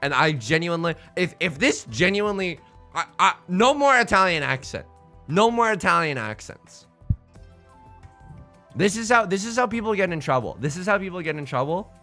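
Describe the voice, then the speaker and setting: A man streaming live, chatting casually with viewers in an animated, jokey way, often restarting and repeating his words. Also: high-pitched, moderate pace, soft background music.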